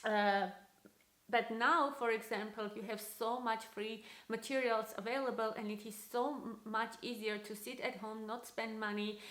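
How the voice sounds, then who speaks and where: A woman's voice: on the high side, fairly even intonation, normal speed, fairly bright tone. A woman in her thirties with a strong Armenian accent, chatting casually to camera as a vlogger with many fillers. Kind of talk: casual vlog talk to camera. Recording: echoey room.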